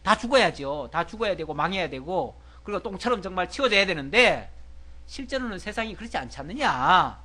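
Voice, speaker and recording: A middle-aged man giving a sermon with a high, very lively voice that swoops up and down. His tone is bright and forceful, and he breaks into raised, pleading lines as he acts out the passage he is teaching. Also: brisk. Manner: explains plainly, acts out Job's pleas with raised voice. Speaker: pastor.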